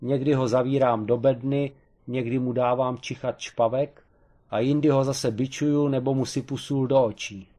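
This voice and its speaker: A man voicing a proud, domineering former strongwoman wrestler who talks loudly and haughtily. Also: steady tone, lightly acted. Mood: haughty. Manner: booming, haughty, matter-of-fact about cruelty.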